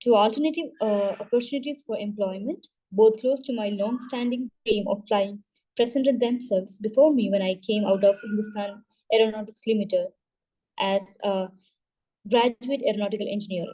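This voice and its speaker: A woman hosting a book club, reading a memoir aloud at a steady pace and now and then stumbling and restarting a word. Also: mid-range voice, moderate pace, rough recording.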